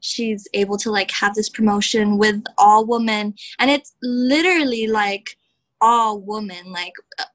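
A young woman from Texas, a professional wrestler, answering interview questions in a chatty way, full of "like" and quick laughs. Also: mid-range voice. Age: young adult. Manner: chatty, heavy use of "like", laughs often.

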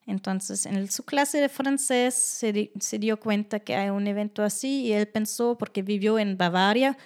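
A young German woman speaks Spanish with a clear German accent, relaxed and conversational as an interview guest. She tells anecdotes and jumps up in pitch when she mimics other people. Her voice sits in a middle register for a woman. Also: moderate pace. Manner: animated, acts out quoted voices with high pitch jumps. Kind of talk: casual interview storytelling.

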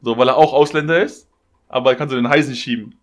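A man's voice: medium pitch, steady tone, fast talker. A man telling stories casually in street slang, as a podcast guest. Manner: German street slang, peppered with Digga and Bruder.

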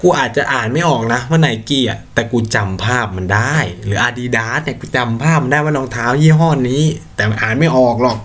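A man's voice: mid-range voice, moderate pace, hardly any pauses, fairly bright tone. Young male podcast host, casual solo talk, blunt and slangy delivery.

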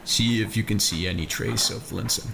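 A man with a gravelly, fairly low voice plays a fantasy game, speaking in character. There is clear noise in the background. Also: normal speed. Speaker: player in a fantasy role-playing podcast.

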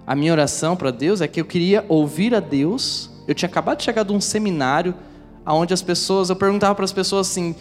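A pastor with a high voice preaches a sermon a little fast, animatedly acting out scenes and voices from his own story and speaking directly to his congregation. A long reverb fills the church hall, with music faintly underneath.

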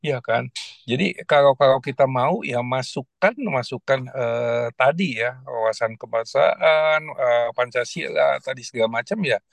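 A man's voice: medium pitch, unhurried, creaky, no room sound. A man, speaking as a guest on a panel, hesitant and full of restarts. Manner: hesitant, many fillers and restarts. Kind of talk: casual panel discussion.

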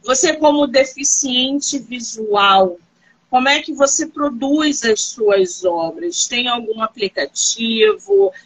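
A woman author hosts a live-stream interview, asking her guest questions in an animated, friendly way and telling stories to the viewers. Her voice is high, bright and forceful. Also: slow, poor audio. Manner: animated, reassuring, storytelling.

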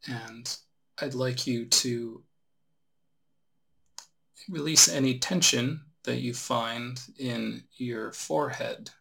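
Slow, gravelly male meditation guide. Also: mid-range voice, pushed and bright. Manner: unhurried instruction with long pauses. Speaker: meditation teacher. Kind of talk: guided relaxation meditation instruction.

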